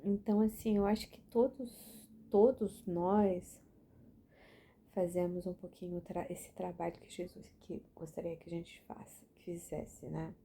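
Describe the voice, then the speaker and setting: A woman's voice: lowish voice, fairly even intonation, unhurried, dark tone, a little hiss or hum. A young woman sharing a casual, chatty reflection with lots of fillers and restarts. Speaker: book reading vlogger.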